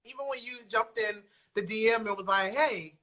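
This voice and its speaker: A woman's voice: fairly high pitch, moderate pace, pushed and bright. A woman chatting casually as an interview guest, candid and informal with some swearing. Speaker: podcast guest, poet and audio drama creator. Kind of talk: casual chat.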